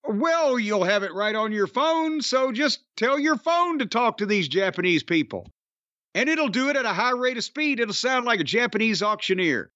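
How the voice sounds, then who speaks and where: An older man with a Southern American accent, high-voiced and rambling, cursing and joking his way through casual talk. His voice comes across dry and close, a little dull in tone. He hosts the show and keeps the sarcasm going throughout. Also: expressive, normal speed, pushed and bright, dry recording. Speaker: podcast host. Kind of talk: casual chat and ad read. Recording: dry, slightly dull audio.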